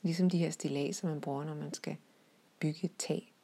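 Low, breathy woman, half-whispering. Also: steady tone. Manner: soft-spoken, often sinking to a whisper; gentle, unhurried storytelling with hesitations. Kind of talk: recounting a guided visualization journey.

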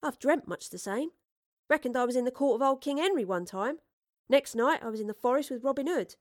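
Woman acting as streetwise young Elizabethan woman, defiant, colloquial, higher-pitched, dry close storybook sound. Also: expressive, fairly quick, no room sound. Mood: matter-of-fact. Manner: blunt, colloquial, challenging. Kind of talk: acted audiobook dialogue.

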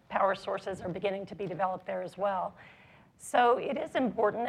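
A woman on a panel, speaking with a scratchy voice in a measured, explanatory way with frequent ums. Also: mid-range voice, creaky. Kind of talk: panel discussion. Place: conference stage.

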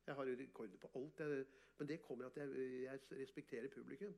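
A man, an artist and photographer, telling animated, boastful stories in an interview and often laughing. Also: mid-range voice, gravelly. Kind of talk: casual storytelling interview.

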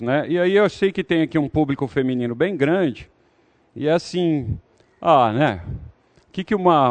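A man's voice: fairly high pitch, a little mellow. A man leading an interactive Bible study, talking conversationally and putting questions to the audience.

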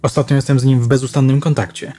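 A man voicing a stern, guarded woman headmistress, speaking briskly and coolly. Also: medium pitch, flat delivery, warm tone, slight background noise, lightly acted.

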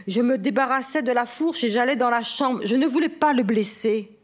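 A woman's voice: on the high side, moderate pace. A woman author reading her novel aloud at a festival reading, in an intense, dramatic first-person manner that also acts out the dialogue. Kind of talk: literary reading.

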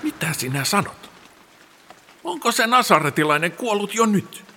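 An actor playing the Roman governor Pilate, questioning and commanding. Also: male voice, high-pitched, big pitch swings, pushed and bright, a little hiss or hum, exaggerated voice. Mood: demanding. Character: Roman governor, man, imperious, demanding.

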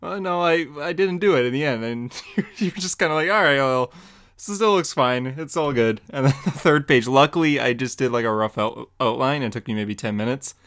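A man's voice: mid-range voice, moderate pace. Young man, joking podcast co-host. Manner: laughing, joking, relaxed. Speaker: podcast co-host and comic artist. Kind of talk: casual chat.

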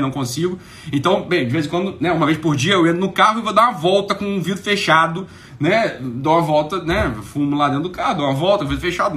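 A man's voice: fairly high pitch, bright, forceful tone. A man with a Brazilian accent hosting a live stream, talking casually and emphatically, swearing often and asking again and again if you get it.

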